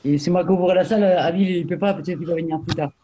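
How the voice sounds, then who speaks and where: A man with an Argentine accent hosting a casual online group chat, talking in a relaxed, hesitant way with many fillers. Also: sits high, fast talker. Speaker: session host.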